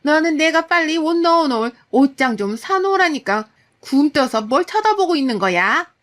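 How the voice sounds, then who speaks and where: A woman voicing a bossy older mother-in-law who scolds in a shrill, indignant way. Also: animated, moderate pace.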